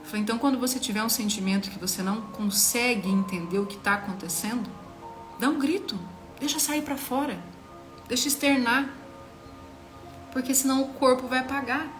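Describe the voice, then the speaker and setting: A woman's voice: on the high side, brisk, soft background music. A woman in her thirties with a Brazilian Portuguese accent, giving an earnest, emphatic devotional teaching and speaking straight to the listener.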